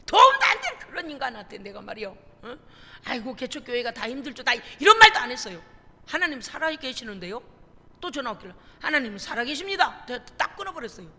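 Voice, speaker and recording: A woman pastor preaching a sermon, animated and emphatic, acting out conversations as she tells stories. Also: sits high, fast talker, breathy edge, long reverb tail. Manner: animated storytelling, acting out phone calls. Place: church sanctuary.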